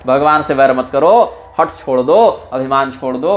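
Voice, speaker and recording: A man giving a devotional scripture discourse, slowly chanting verses and then explaining them in plain speech. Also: mid-range voice, steady tone, muffled recording. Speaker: religious storyteller.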